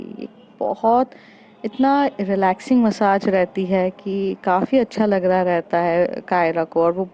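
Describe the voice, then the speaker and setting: Woman narrator for a casual spoken story: conversational and unhurried, mellow voice, lo-fi recording with faint noise. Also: medium pitch.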